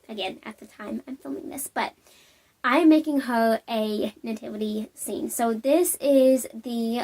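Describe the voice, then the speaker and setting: A young woman from Alabama, sniffly from a cold, chatting upbeat about her knitting with lots of ums and likes. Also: fairly high pitch. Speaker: knitting podcast host. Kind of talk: casual show-and-tell vlog.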